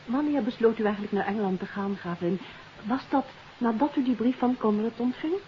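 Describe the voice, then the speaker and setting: A woman's voice: on the high side, fairly quick, lightly acted. An actress playing a composed, attentive woman politely questioning a witness in a 1950s radio mystery. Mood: inquiring, composed. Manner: polite, inquiring. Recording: hissy, dull 1950s radio recording.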